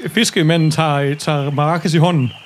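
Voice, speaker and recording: A man's voice: a little high, fairly even intonation, a little hiss or hum. A man narrating a tabletop game as game master, hesitant and full of fillers and restarts. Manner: hesitant, many fillers and restarts, laughs often.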